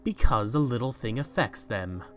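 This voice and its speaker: A man's voice: medium pitch, lively intonation, normal speed, a bit bright, soft background music, lightly acted. A man playing an arrogant, skeptical young business tycoon in an audio drama, curt and dismissive. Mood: defiant disbelief. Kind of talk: fan audio drama acting.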